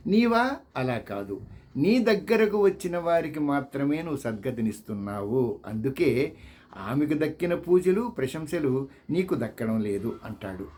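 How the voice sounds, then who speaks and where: A man reading sacred Hindu tales as scripted narration, in a measured, expressive manner. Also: mid-range voice, husky. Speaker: audiobook reader.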